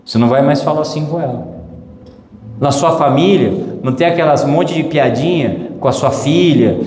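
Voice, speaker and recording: A man's voice: on the high side, moderate pace, a little mellow, a little hiss or hum. A man with a Brazilian Portuguese accent preaching a sermon, emphatic, repeating phrases and acting out quoted voices. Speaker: pastor. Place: church hall. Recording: echoey church hall with long reverb.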